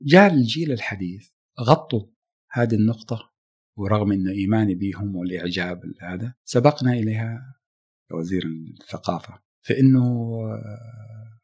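A middle-aged man from Arabia, a musician guest talking in a casual interview, reflective and halting, often restarting his phrases. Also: on the low side, a little mellow, breathy edge. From Saudi Arabia.

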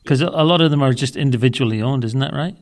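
Brief: male interviewer, gravelly fry in the voice, halting, restarts his questions. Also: mid-range voice. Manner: hesitant, repeats words while asking.

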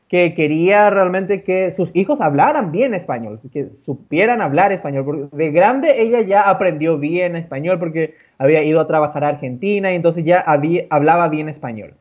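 Man, Guarani speaker, high voice, loose and rambling with restarts, tinny phone-line sound. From Paraguay. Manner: relaxed, repetitive, many fillers and restarts. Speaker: interviewee. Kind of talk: casual interview answers. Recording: tinny phone-like call audio.

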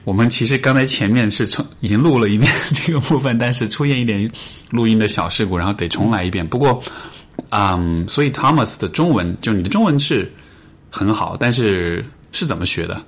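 A man's voice: lowish voice, expressive, a little fast, husky. A man hosting a casual interview show, thinking aloud and repeating phrases as he goes. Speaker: podcast host.

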